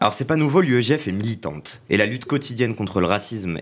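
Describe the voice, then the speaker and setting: Over a silent background in a very clean recording, a man talks fairly quickly with lively intonation. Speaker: student association officer. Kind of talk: scripted report.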